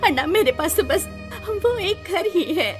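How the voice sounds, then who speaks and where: A woman's voice: very high voice, expressive, unhurried, over music. A woman playing a poor labourer mother and anxious, devoted wife in a radio play. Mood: tearful pleading. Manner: pleading, emotional. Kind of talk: Hindi radio play acting.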